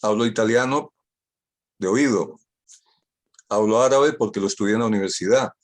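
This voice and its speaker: This is an older man from Spain whose first language is Catalan, speaking in a low voice. He gives a talk over a video call and sounds witty and ironic. He drives his points home by repeating phrases. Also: moderate pace. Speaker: guest speaker. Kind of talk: online talk.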